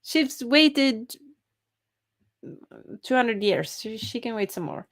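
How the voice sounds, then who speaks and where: A woman's voice: a little high, lively intonation, takes it slowly. A young woman hosting a writing live stream, reading chat comments aloud in a cheerful, giggly way.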